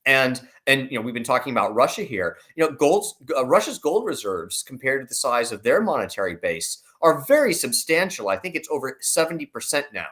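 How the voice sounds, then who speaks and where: A man's voice: mid-range voice, big pitch swings, fairly quick, few pauses, sharp tone. A man speaking as an analyst guest, explaining things emphatically in conversational commentary and posing rhetorical questions.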